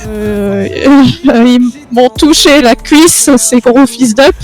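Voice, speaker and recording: A woman's voice: a little high, takes it slowly, darkish tone, soft background music. A woman chatting casually in a gaming roleplay, slangy and hesitant.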